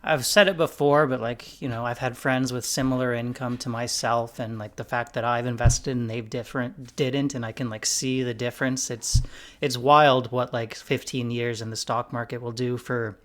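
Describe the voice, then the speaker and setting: A man hosting a casual podcast conversation about investing, relaxed and rambling, with many "like"s and "you know"s. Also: mid-range voice, moderate pace. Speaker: investing YouTuber host.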